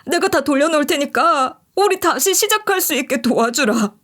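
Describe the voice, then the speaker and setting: A woman's voice: high voice, expressive, moderate pace, a bit bright, voice pushed up. A woman doing a begging, tearful ex-fiancé. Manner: begging, whiny and desperate. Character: pleading, tearful young ex-fiancé man.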